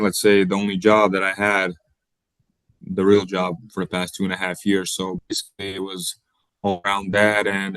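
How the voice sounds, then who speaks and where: A young man from Bosnia, Bosnian native, speaking English as a college basketball player in an interview, halting and repeating words as he searches for them. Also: deep voice, a bit bright, smooth, no room sound, poor audio. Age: young adult. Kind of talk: interview answers.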